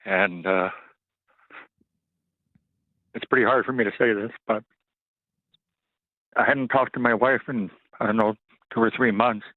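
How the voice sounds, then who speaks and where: A man phones in to a radio call-in show. His voice sits low and comes through a tinny telephone line with a dry sound. He tells his story haltingly and with emotion, often stopping to restart. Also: steady tone, no room sound. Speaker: caller.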